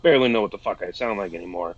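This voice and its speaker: A man's voice: on the low side, very fast, highs cut off. A man from Boston chatting casually on a podcast, swearing freely and laughing easily. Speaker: podcast co-host. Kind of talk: casual chat.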